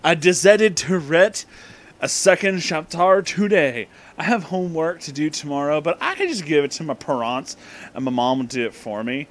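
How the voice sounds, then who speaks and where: A man hosting a comic reading of fan fiction, exaggerating misspelled words and dropping in mocking, profane asides. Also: fairly high pitch.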